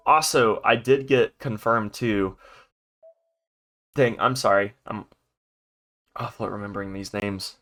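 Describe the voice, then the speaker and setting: This let's play host talks slowly, leaving long pauses, in a fairly low, steady voice with a fairly bright tone. His casual gaming commentary wanders, filled with ums and restarts, and his nose sounds stuffed up on the home mic.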